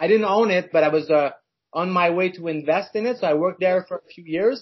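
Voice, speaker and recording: In a strong Quebec accent, a man talks at a fairly quick pace with ordinary pitch variation. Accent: thick French Canadian. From Quebec, Canada. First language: French. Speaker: brand owner and collector guest. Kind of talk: casual interview chat.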